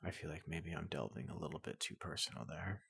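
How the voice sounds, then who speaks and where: A man playing a big, gentle robot doctor in a soothing ASMR roleplay, speaking in a hushed, breathy half-whisper with a polite, reassuring manner. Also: a bass voice, dry recording, heavily acted. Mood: gentle, curious. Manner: slow, gentle, reassuring, repeats questions softly.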